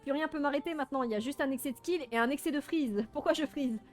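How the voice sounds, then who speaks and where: High-voiced, playful woman game streamer. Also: fast talker. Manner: playful, teasing, self-mocking boasting; animated, frequent laughing and exclaiming. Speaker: live streamer playing a video game. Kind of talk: casual live gaming commentary. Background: game music.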